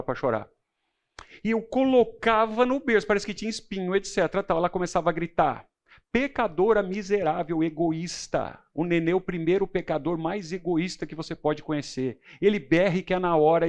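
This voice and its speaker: A middle-aged man teaching a church Bible class, preacherly and emphatic, mixing personal stories with rhetorical questions. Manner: preacherly, emphatic, shifting between low intensity and loud stress.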